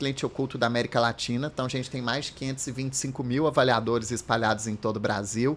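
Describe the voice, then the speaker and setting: Talking at a very fast pace with hardly any pauses, a man with a Minas Gerais accent speaks at a medium pitch. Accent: mineiro. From Minas Gerais, Brazil. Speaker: startup CEO. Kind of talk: podcast panel discussion.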